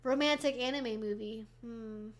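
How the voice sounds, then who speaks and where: Young woman on a livestream, high voice, rambly and chatty, lots of likes and uhs. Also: measured pace. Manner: rambling, chatty, many fillers and restarts. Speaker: livestream host answering chat questions. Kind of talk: casual livestream Q&A.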